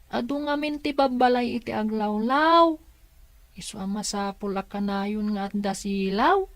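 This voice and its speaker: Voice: mid-range voice, measured pace, a bit bright, no echo. A woman playing a curious, chatty and polite young boy in an Ilocano radio drama. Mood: eager, polite.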